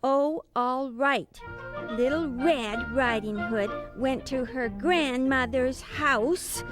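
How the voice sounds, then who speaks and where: A woman's voice: sits high, slow pace, music in the background. A woman voicing a silly, cheerful, muddled puppet character telling stories in a children's puppet show, with an exaggerated, dithering delivery. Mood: muddled, unbothered.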